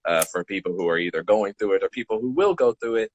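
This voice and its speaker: A man's voice: lowish voice, fast talker, lo-fi sound. A man in a casual podcast chat, explaining things in a rambling way and rephrasing as he goes. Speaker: podcast speaker.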